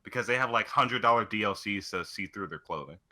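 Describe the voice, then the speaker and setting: Bright, forceful-voiced man chatting casually. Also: on the low side, animated, fairly quick. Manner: informal, loose storytelling with mild swearing. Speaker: podcast co-host. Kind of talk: casual chat about video games.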